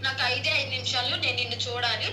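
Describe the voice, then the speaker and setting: A woman's voice: high-pitched, steady tone, quick pace, pushed and bright. A woman, pleading and insistent in an emotional private phone conversation. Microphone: phone call. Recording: echoey, noisy leaked phone call recording.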